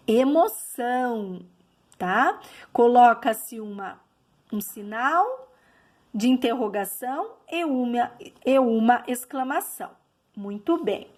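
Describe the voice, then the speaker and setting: A woman's voice: a little high, a little mellow. A woman teacher giving a video lesson, explaining patiently and checking in with her class as she goes.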